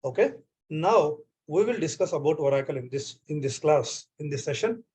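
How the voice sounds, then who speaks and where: Indian male trainer, fairly high voice, repetitive online-class delivery over a laptop mic. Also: animated, normal speed, darkish tone, breathy edge. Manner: repeats phrases often, checks on students.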